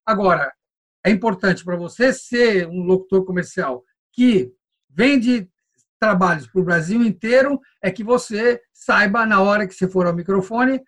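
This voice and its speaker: Male voice teacher, conversational, halting explanatory delivery with repeated words. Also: sits high, fairly bright tone. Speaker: voice-over course teacher. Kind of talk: casual conversational interview.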